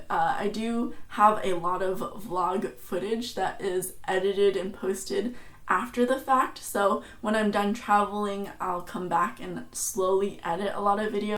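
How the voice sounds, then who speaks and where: A woman's voice: medium pitch, a bit bright, roomy sound. An American woman in her twenties from San Francisco, chatting to camera as a travel and food vlogger and joking about herself. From San Francisco, USA. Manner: chatty and self-deprecating, laughs at herself. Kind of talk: casual chat to camera.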